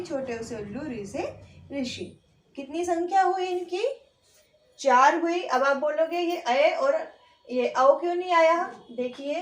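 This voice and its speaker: A woman with a high voice teaches a grammar class in a roomy, echoing space. She puts questions to her students and answers them herself, going over each point again with patience. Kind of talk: online Hindi grammar lesson.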